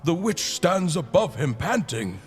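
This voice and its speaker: A man's voice: a little high, sing-song, a little slow, long reverb tail. A man narrating a comic radio play in a storytelling style.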